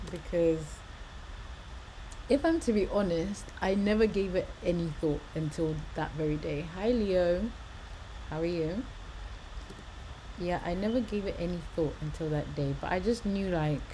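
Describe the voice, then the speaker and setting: Amid noticeable background noise and audible room echo, a woman with an English accent speaks fairly slowly at a fairly low pitch, with ordinary pitch variation and long, frequent pauses. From England. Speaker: livestreamer. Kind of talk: casual chat. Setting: live stream.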